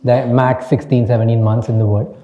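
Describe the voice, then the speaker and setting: A man's voice: medium pitch, level tone, brisk, lo-fi sound, noisy background. A man with an Indian accent whose first language is Hindi, a podcast host speaking candidly on a panel, slipping between English and Hindi and laughing often. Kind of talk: panel talk.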